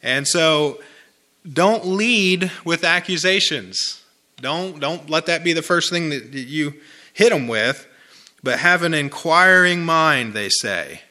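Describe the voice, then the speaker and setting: A man's voice: on the high side, animated, takes it slowly, sharp tone. A man preaching an informal, conversational sermon, repeating phrases and answering people in the pews. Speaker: pastor. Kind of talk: informal sermon with congregation responses.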